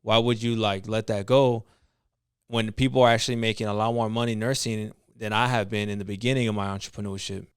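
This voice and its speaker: A young adult man with a Latino American English accent, a nurse who became an entrepreneur, chats on a casual podcast in an earnest, motivational way, using slang and restarting often. His voice is on the low side, smooth and brisk with a steady tone. The studio-quality recording has no room sound.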